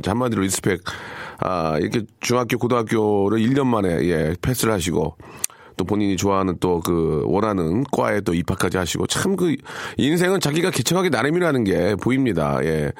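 Guy radio host, super animated voice, dry close studio mic, chatty. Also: lowish voice, creaky, no room sound. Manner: chatty, animated, reading listener texts aloud. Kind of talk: live radio call-in chat.

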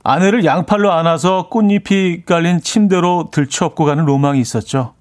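Relaxed male radio talk show host. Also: on the high side, brisk. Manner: calm, reads listener stories, introduces songs.

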